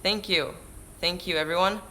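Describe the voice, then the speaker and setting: This Israeli teen boy, a surfer vlogger with a Hebrew accent, has a high-sitting, bright, forceful voice with a steady tone and moderate pace. Chatty on his live stream, he reads out viewer questions and answers them, frequently restarting words mid-sentence. He's indoors by a window using a camera-mounted shotgun mic, with slight background noise.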